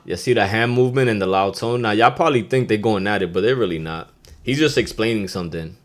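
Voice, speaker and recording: On his podcast, a young host with Dominican roots runs a casual, slangy Spanish lesson at a quick pace, his voice fairly low in pitch. He swears freely and keeps tossing in Spanish expressions.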